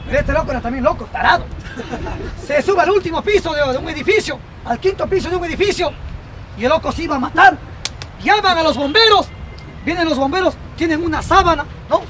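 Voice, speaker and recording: A man's voice: very high-pitched, animated. A man telling crude jokes in the street, often checking in with the crowd. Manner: rapid, crude, asks crowd for approval. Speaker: street comedian. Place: outdoor street. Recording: loud outdoor street crowd and traffic.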